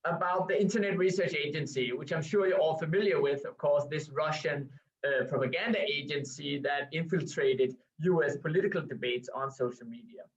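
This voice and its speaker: A man's voice: fairly high pitch, brisk. Danish guy lecturing over a video call, lots of uh and um, kinda far from the mic. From Denmark. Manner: hesitant, with frequent um and uh fillers and restarts. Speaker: researcher giving a guest lecture. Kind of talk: academic presentation. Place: at home. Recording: distant, dull video-call audio.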